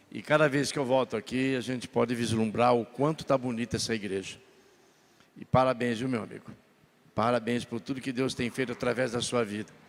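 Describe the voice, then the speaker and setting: Using a normal speaking voice, a man talks at a fairly quick pace with fairly even intonation. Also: medium pitch for a man. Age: 60s. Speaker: pastor. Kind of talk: sermon. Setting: church.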